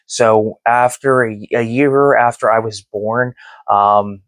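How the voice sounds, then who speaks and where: A man's voice: mid-range voice, fairly even intonation, slow pace, fairly bright tone, no room sound. A man in his thirties hosting a movie review channel, chatting casually to his viewers with lots of fillers. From born in Texas, raised in Germany and Florida. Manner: rambling, many fillers. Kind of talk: casual talk to camera.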